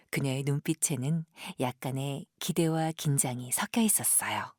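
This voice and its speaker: A woman narrating an audio drama like a storyteller, gentle and measured, with breathy sentence endings. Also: low voice, dry recording, studio quality. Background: music.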